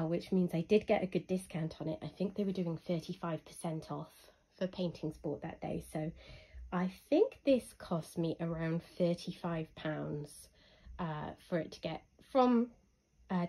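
A young woman talks through her review in a relaxed, chatty way, often pausing on an um. Her voice is husky from illness, with a warm, mellow tone that sits a little low. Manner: chatty and unhurried, with frequent ums. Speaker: hobby reviewer. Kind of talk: casual product review voice-over.

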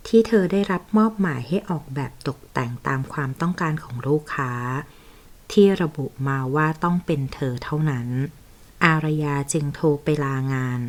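A woman reads a romance novel aloud in a low voice. Her delivery is steady and even, keeping the story flowing. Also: normal speed. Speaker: audiobook narrator. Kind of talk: scripted novel narration.

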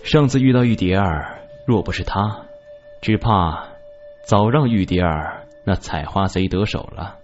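An actor playing a domineering, cold-tempered young lord in an audio novel, with a cold, menacing delivery. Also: male voice, low voice, unhurried. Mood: angry. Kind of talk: audiobook drama acting. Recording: slightly dull audio with soft music.

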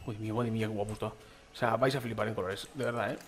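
A man's voice: on the low side, steady tone, quick pace. Chatty Spanish man playing a game. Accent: Spain Spanish. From Spain. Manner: chatty, slangy, addresses viewers as "chicos" and "tío". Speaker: gaming YouTuber. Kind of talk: casual gameplay commentary.

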